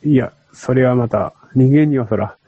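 A man's voice: medium pitch, normal speed, husky, phone-quality sound. A man who is a guest on a casual podcast chat, teasing the host and laughing often.

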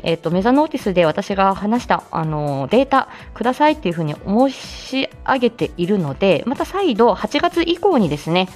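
A woman hosting a casual morning live stream, chatting with many fillers and frequent laughs over faint background music. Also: medium pitch.

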